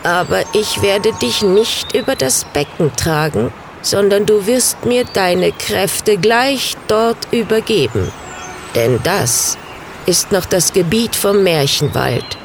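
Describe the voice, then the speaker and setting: A woman croaking as a menacing black bird. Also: medium pitch, expressive, slight background noise. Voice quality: croaking, slow and threatening.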